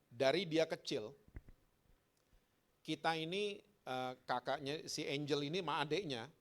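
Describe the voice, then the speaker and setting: A middle-aged man, a pastor preaching a sermon in a conversational way, with slang and rhetorical questions. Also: on the high side.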